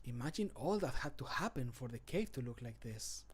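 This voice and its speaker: A man voicing an excitable male adventurer in video game lines, with an eager manner. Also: medium pitch, brisk, slightly rough. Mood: fascinated. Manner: eager, gushing. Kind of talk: video game voice line acting.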